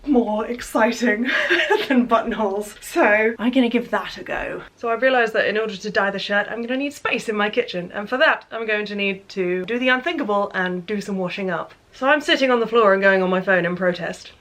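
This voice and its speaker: A woman's voice: mid-range voice, a little fast, few pauses, fairly bright tone. Chatty English woman, self-mocking. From England. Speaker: sewing vlogger. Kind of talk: casual sewing vlog chat.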